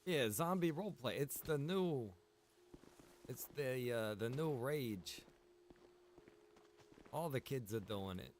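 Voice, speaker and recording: A man's voice: medium pitch, animated, takes it slowly, pauses often, slight background noise. A man chatting casually as he livestreams a game, rambling along in a laid-back way. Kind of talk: casual livestream chat while gaming.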